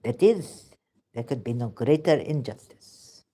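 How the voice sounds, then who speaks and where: A woman's voice: rumbling low, animated, a little slow, mellow, breathy edge. A woman with a Pakistani accent giving rambling, sarcastic religious commentary in broken English. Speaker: vlogger.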